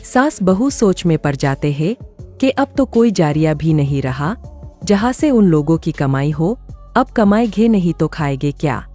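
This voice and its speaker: A woman narrating a cartoon story in an expressive storytelling style. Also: low-pitched, unhurried, faint music behind.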